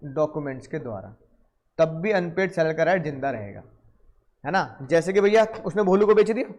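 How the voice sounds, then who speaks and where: High-voiced man teaching a law class. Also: normal speed. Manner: lively, questions the class and acts out little dialogues. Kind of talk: classroom lecture.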